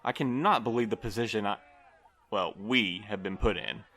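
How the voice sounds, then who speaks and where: A man's voice: fairly low pitch, moderate pace, sharp tone. A man playing a harried, earnest station manager in an audio drama, formal and wordy in his delivery. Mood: frustrated, earnest.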